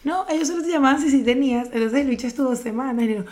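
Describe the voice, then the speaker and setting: A young woman with a Caracas accent, telling stories in a casual chat with a friend, animated and full of slang. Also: sits high, rapid-fire. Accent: Caracas Spanish. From Venezuela.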